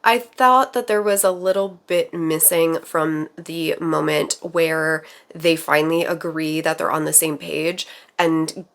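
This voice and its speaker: Chatty, slightly raspy woman vlogger. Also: sits low, fairly even intonation, a little slow, a bit bright. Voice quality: a little raspy. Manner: chatty, rambling with fillers. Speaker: book vlogger. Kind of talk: casual chat.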